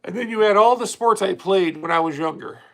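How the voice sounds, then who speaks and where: A man's voice: high voice, a little fast, gravelly, a bit bright, poor audio. A man in his late thirties hosting a casual livestream, talking candidly and rambling with frequent restarts as he answers viewer comments. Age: 30s. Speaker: livestream host.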